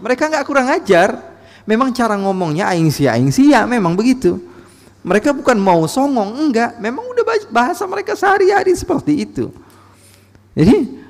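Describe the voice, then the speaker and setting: Fast-talking gravelly male preacher. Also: high-pitched. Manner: animated storytelling, mixes casual slang with religious phrases. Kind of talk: lively sermon to a congregation. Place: large mosque. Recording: long reverb of a large mosque hall.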